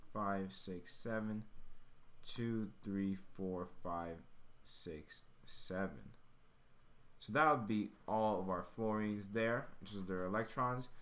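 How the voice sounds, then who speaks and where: With a fairly low pitch and a fairly bright tone, a male chemistry tutor gives an informal, step-by-step explanation. He thinks aloud while he works.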